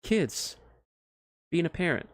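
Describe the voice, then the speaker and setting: A gentle young princess from a fan story, read by a man. She is caring, earnest and a little proper, with a teasing streak, pitched somewhat higher in a dry recording. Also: sing-song, takes it slowly, no echo. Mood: playful, curious.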